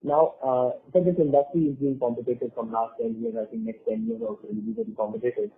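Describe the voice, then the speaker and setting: A man's voice: medium pitch, expressive, fast, creaky. A man asking questions as an analyst on an earnings call, phrasing them in a hesitant, roundabout way over the phone. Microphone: phone conference line. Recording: tinny phone-line conference call.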